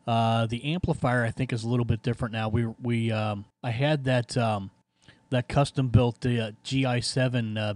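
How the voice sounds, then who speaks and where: Male amateur radio operator, casual and halting conversational delivery, very dry recording. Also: mid-range voice, darkish tone, dry recording. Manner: halting, searching for words. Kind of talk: casual ham radio contact chat.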